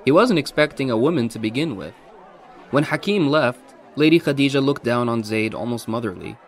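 A man narrating a historical audio drama in a measured, scripted way. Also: mid-range voice, expressive, a faint crowd.

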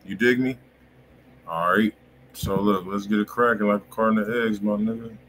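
A man's voice: on the low side, fairly even intonation, moderate pace. An American man, around his thirties, hosts a music review live stream with casual, slangy banter. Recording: noisy live-stream room audio.

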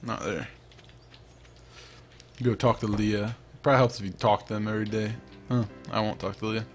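A man's voice: fairly low pitch, steady tone, normal speed, soft background music. A young man giving casual, rambling, self-mocking commentary as he plays a farming video game. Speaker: let's play host.

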